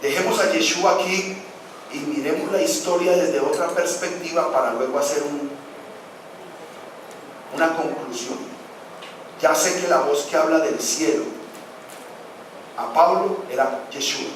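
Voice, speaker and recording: A man's voice: on the high side, measured pace, pauses often, a little hiss or hum. A man teaching a sermon-style Bible class, explaining step by step and asking his listeners rhetorical questions. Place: church hall. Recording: very echoey room, mic far from the speaker.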